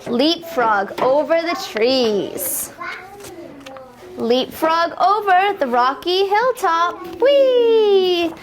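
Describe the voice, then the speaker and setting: A woman reading picture books aloud to young children in an animated, encouraging way, asking them questions and playfully exclaiming the action words. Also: very high voice, very slow. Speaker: storytime reader for young children.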